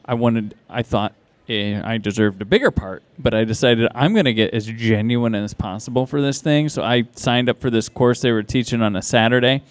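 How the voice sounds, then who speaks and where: Rambling male storyteller, mid-pitched and dry. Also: normal speed, no room sound. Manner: rambling, with many restarts and asides. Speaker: convention organizer and guest. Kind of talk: casual anecdotal storytelling. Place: live podcast stage at a convention.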